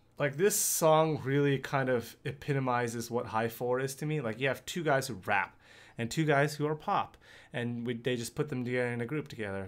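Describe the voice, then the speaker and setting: Recorded very cleanly against a silent background, a man with a normal speaking voice talks at a fairly quick pace, his medium pitch showing ordinary variation. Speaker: podcast co-host. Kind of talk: casual chat.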